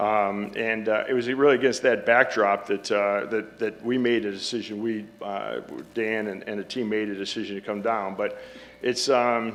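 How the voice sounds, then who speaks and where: Over noticeable background noise, a man with a Michigan accent speaks in a fairly low, flat monotone at a moderate pace. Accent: Midwestern American (Michigan). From Detroit, Michigan. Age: 60s. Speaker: business executive. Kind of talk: keynote speech. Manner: halting, many fillers.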